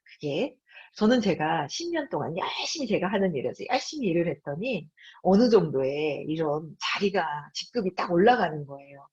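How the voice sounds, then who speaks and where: Fifties woman, live-stream host; animated, acts out her thoughts, slightly husky, muffled audio. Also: fairly low pitch, moderate pace. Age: 50s. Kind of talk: live-streamed book talk to an audience. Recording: dull lo-fi sound.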